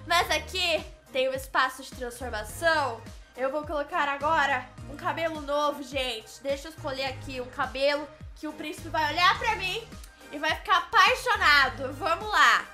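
Bright, dramatic Brazilian gamer girl. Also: high-pitched, moderate pace, faint music behind. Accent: Brazilian Portuguese. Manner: dramatic, playful, talks to viewers. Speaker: gaming youtuber. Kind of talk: role-play game commentary.

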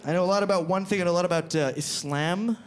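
Young man, stand-up comic, higher voice, animated delivery, handheld mic, comedy club with faint crowd noise. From Florida, US. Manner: animated, quick punchlines, acts out other voices. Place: comedy club stage before a live audience.

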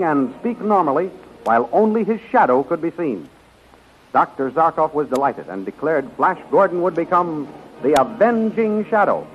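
A man narrating a 1930s radio serial as a dramatic, declamatory announcer. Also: high-pitched. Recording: muffled 1930s radio recording.

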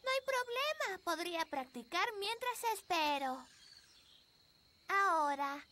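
A woman voicing a sweet, eager little fairy princess in a children's cartoon, with a childlike, expressive delivery. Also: very high-pitched, slow, slight background noise, heavily acted. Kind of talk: children's cartoon dub in Spanish. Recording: music behind the voice.

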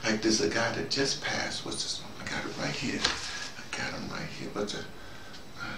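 An older American man giving a rambling, halting conversational monologue, repeating himself and speaking colloquially with emphasis. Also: medium pitch, level tone. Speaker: host, storytelling activist. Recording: noisy, roomy, distant microphone.

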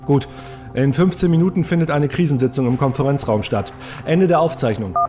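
A man's voice: medium pitch, brisk, over music, natural voice. A man playing a brusque, demanding project superior in a science fiction audio drama, speaking curtly and with authority. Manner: curt, authoritative.

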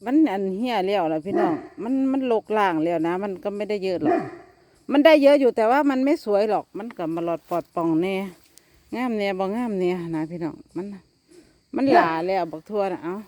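A woman's voice: medium pitch, lively intonation, brisk, darkish tone. A woman with an Isan accent, chatting casually to viewers while she gardens in her backyard and talks to her dogs. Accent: Isan (Northeastern Thai). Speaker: vlogger.

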